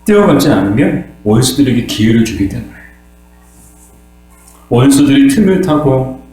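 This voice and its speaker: A man's voice: medium pitch, mellow. A male pastor giving a sermon, posing questions to the congregation and answering them himself, and sometimes acting out voices. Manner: acts out voices and cries dramatically. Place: church sanctuary. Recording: very echoey room with mains hum.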